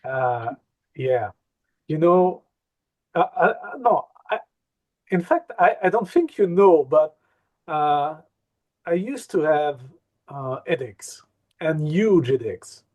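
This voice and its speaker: Slow-talking, fairly high-voiced man. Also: expressive, darkish tone, highs cut off. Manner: hesitant, many fillers and repeats. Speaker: hypnosis trainer. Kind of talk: casual interview storytelling.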